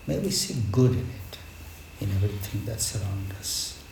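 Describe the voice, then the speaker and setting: A man giving a devotional Hindu sermon with prayer as a spiritual teacher, speaking in a measured, reverent and reflective way with deliberate pauses. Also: lowish voice, expressive, gravelly, darkish tone. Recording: echoey space with background noise.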